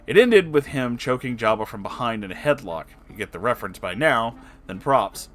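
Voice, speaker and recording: Expressive man narrating over music. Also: medium pitch, normal speed. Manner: expressive, casual, profane. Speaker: online story narrator. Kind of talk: dramatic story reading with personal reactions. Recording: music behind the voice. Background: background music.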